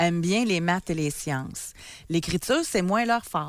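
A woman's fairly low voice in a Quebec accent, with ordinary pitch variation, a quiet background and a dry sound with no echo. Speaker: radio co-host. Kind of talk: call-in radio show. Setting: studio. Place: studio.

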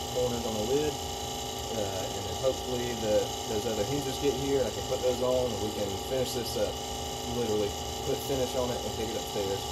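A man talks at a fairly quick pace while loud background noise plays. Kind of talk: casual vlog chat. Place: workshop. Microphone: camera far.

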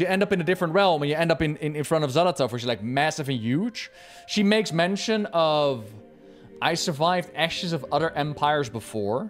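A man talks at a fairly quick pace. Faint music plays behind him. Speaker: game streamer. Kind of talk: casual commentary. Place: home room.

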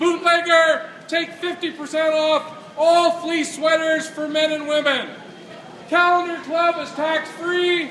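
A man raises and projects his voice at an extremely high pitch, speaking very slowly and in a flat monotone. Audible room echo and light background noise surround him. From Canada, Kitchener. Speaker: town crier. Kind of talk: town crier mall announcement of store deals. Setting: shopping mall, public announcement. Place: shop. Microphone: camera far.

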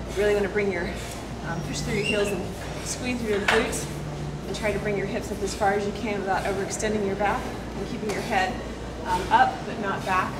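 Over loud background noise, a woman talks at a very fast pace with an American accent. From Texas. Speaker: bikini fitness competitor. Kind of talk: exercise demonstration. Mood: friendly, relaxed. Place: gym. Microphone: phone near.

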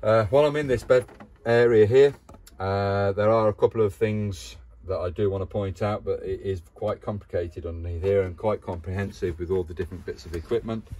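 A man talks at a fairly quick pace in a fairly low pitch. His voice is somewhat breathy, with ordinary pitch variation. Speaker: caravan dealer demonstrator. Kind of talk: tutorial. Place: home room. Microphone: phone near.

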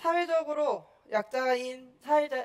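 A woman speaking at a fairly slow pace. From South Korea. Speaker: politician. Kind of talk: campaign speech. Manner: formal. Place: stage.

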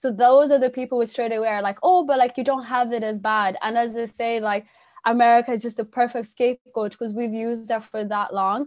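Speaking in an Irish accent, a woman keeps a fairly quick pace and fairly even intonation at a fairly high pitch. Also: quiet background. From Kenya, raised in Ireland. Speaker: PhD student and researcher. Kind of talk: casual interview chat. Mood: earnest, thoughtful. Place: home room. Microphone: video call.

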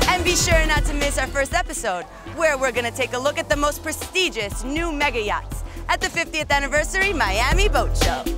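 Over clear music in the background, a woman with a high pitch uses a raised, projected voice, an energetic, playful tone and lively intonation at a fairly quick pace, the sound dry with no echo. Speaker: TV host and actress; TV host, actress. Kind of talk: speedboat and yacht show promo. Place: beach.

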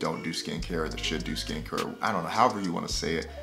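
Clear music plays in the background. Over it, a man talks with a very deep, low pitch. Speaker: skincare content creator. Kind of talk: casual talk to camera. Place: home room. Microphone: webcam.

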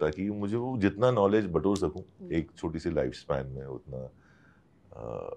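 A man's voice with very wide pitch swings, vocal fry, and a fairly slow pace. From Gwalior, India; India. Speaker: actor. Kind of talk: interview answer. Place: studio. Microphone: lapel.

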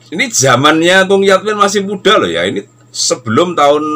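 In a bright, sharp tone, a man keeps to a moderate pace. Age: 50s. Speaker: spiritual teacher and motivator; spiritual teacher. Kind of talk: spiritual monologue. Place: home room. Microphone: phone near.

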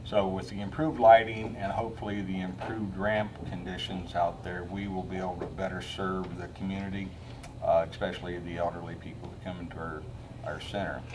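A man with a very deep, low pitch talks at a fairly quick pace, his loudness swinging widely. Audible room echo and noticeable background noise surround him. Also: ordinary pitch variation. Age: 70s. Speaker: senior center representative. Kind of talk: public meeting presentation.

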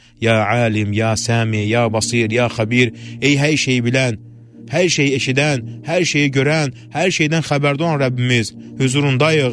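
A man at a medium pitch in a solemn tone, at a fairly slow pace with ordinary pitch variation and very even loudness, amid audible room echo and noticeable background noise. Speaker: religious prayer leader. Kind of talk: prayer.

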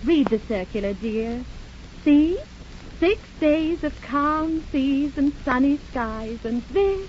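Over light background noise, a woman with a high pitch talks at a very slow pace with lively intonation, in a dry sound with no echo. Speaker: wife in a radio comedy sketch. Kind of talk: old-time radio comedy sketch. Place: studio. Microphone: old recording.

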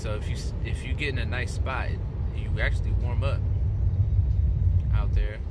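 Against loud background noise, a man talks fairly quickly in a dry sound without echo. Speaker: passenger vlogger. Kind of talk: casual vlog chat. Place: car. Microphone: phone near.

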